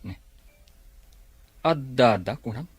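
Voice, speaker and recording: A man's voice: medium pitch, lively intonation, takes it slowly, husky, no room sound, faint music behind. A Filipino man playing a mocking, arrogant cousin in a radio drama, sneering and condescending. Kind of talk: Ilocano radio drama acting.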